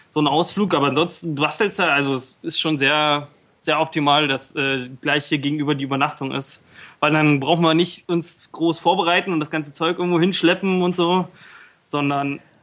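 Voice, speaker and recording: Fairly even intonation and a moderate pace mark this unremarkable speaking voice. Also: man, fairly high pitch for a man. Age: 20s. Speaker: hackerspace club member. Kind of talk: casual chat.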